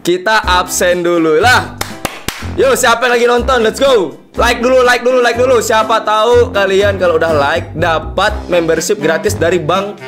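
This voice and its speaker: High-voiced young man livestreaming. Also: moderate pace, faint music behind. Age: young adult. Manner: excitable, slangy, repeats phrases. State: slightly hoarse. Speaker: livestream host. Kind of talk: casual livestream chat. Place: indoor streaming desk.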